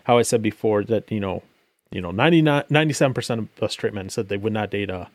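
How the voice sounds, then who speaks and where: A man's voice: lowish voice, animated, fast, no echo. Sarcastic man with a dry close sound. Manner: sarcastic, reads headlines and stats aloud with many fillers. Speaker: podcast co-host. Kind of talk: casual political commentary chat.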